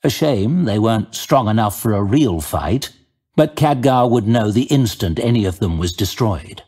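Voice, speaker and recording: Low, measured male fantasy narrator. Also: animated, darkish tone, husky. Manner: measured, theatrical. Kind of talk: dramatic scripted fantasy narration.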